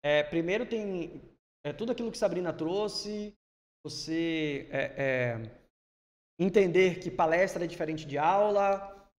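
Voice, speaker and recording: A man from Salvador, teaching public speaking in an energetic, emphatic way. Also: fairly high pitch, a little slow. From Salvador, Brazil. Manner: energetic, emphatic, rising bursts when he gets worked up. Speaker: speaking coach. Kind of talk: instructive conversation. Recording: long hall reverb.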